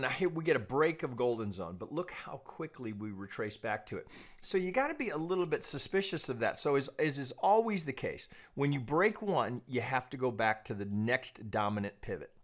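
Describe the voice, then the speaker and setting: Man, medium pitch, informal analyst commentary, explanatory, careful, repetitive phrasing, frequent check-in questions. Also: fairly bright tone. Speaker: trading analyst and teacher. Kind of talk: informal technical analysis commentary over charts.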